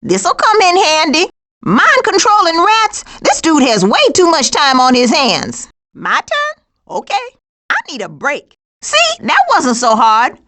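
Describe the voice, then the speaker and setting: Brash female skunk, game animation: American accent, high register, lively swings, blunt and sassy. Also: a little slow, heavily acted. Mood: sassy, wry. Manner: sassy, blunt, folksy slang. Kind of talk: animated video game voice acting.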